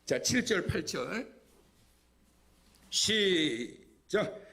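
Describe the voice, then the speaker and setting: A male guest pastor preaching a lively sermon at a Friday night church service, joking and having the congregation repeat phrases after him. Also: on the high side, normal speed.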